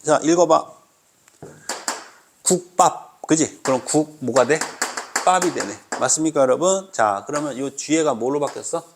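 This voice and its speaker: A man's voice: a little high, moderate pace, background noise. A man teaching a grammar class to students in a classroom, quizzing them constantly and mock-scolding them in a teasing way. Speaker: Korean language teacher.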